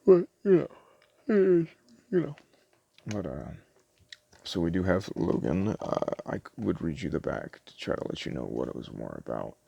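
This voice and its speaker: A man doing a casual, improvised ASMR shopkeeper roleplay, soft-spoken and hesitant, rambling in a self-deprecating way. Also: low voice, very animated, normal speed, vocal fry, breathy edge, dull audio. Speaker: ASMR roleplayer playing a small DVD shop owner.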